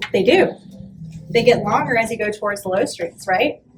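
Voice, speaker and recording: A woman's voice amid noticeable background noise. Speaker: piano sales associate and presenter. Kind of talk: educational presentation to students.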